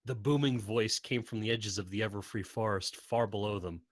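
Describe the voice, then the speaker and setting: Male narrator for a dramatic audio story, fairly low voice, very dry close sound. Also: normal speed, no echo.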